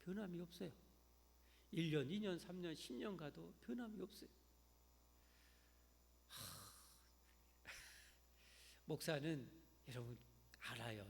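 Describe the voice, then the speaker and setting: Animated, gravelly pastor preaching. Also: male voice, fairly high pitch. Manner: animated preaching, often addressing the congregation directly. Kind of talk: sermon. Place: church sanctuary. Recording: echoey church hall.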